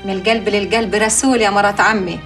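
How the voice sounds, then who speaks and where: An actress playing a bold, defiant young bride who answers with teasing confidence. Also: female voice, medium pitch, fairly even intonation, fast, fairly bright tone, soft background music, lightly acted. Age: young adult. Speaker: new bride. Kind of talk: TV drama acting. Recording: distant mic with faint score.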